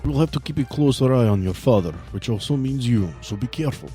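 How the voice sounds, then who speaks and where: A man playing a measured, courteous authority figure who speaks formally and deliberately in an improvised role-play game. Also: mid-range voice, lively intonation, dark tone, faint music behind, natural voice. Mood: grave, cautious. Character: measured, courteous authority figure, proud host of his town.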